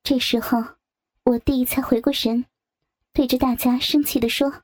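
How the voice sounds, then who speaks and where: High husky woman telling a story. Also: steady tone, normal speed, no room sound, clean studio sound. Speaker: narrator. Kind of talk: first-person audio storytelling. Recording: soft music behind.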